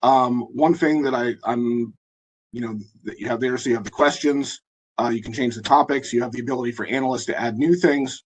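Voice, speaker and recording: A man with a hoarse, husky voice presenting a live software demo in a webinar, talking in a halting way with many fillers and restarts. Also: medium pitch, rough recording. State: hoarse, losing his voice.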